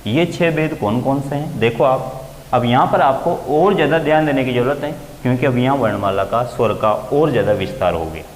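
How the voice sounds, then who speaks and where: A man teaching Sanskrit grammar in a classroom lecture, explaining slowly and deliberately, and acting out quoted voices with big swings in pitch. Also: a little hiss or hum. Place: coaching classroom. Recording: echoey room with faint ambience.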